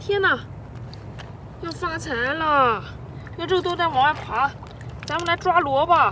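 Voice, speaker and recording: With light background noise and a dry sound with no echo, a woman speaks in a raised, projected voice and an animated tone, high in pitch with ordinary pitch variation, at a fairly slow pace with long, frequent pauses. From Shandong, Rizhao; Shandong. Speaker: seafood-foraging vlogger. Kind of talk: vlog narration while beachcombing. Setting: outdoors on the seashore. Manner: animated, frequent exclamations. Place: beach. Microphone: phone near.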